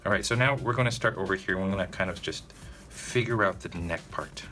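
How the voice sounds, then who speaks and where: A man with a low, somewhat fast, pushed and bright voice hosts a narrated drawing tutorial over faint background music. He chats casually with viewers, speaking to them directly and checking in with frequent "okay?"s.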